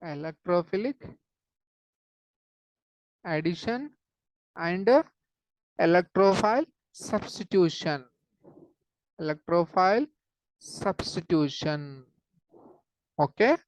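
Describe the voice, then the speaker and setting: A woman teacher with a South Asian accent and a lowish voice explains things step by step in a dry, close-sounding recording. She repeats key phrases and often stops to check with short questions. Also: animated, takes it slowly, pauses often, darkish tone, no room sound, poor audio. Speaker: chemistry teacher.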